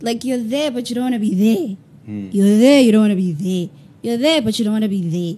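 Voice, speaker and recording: This woman has a fairly high pitch and a dark, mellow, somewhat breathy tone. She talks at a fairly quick pace with ordinary pitch variation. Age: 30s. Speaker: podcast guest. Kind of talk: casual chat.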